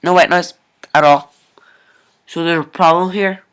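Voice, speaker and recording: Slow-paced young-sounding man thinking aloud. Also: on the high side, steady tone, heavy background noise. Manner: informal, thinking aloud, halting while typing. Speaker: programming tutorial host. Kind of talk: casual screencast coding tutorial. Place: indoors at a computer, screen recording.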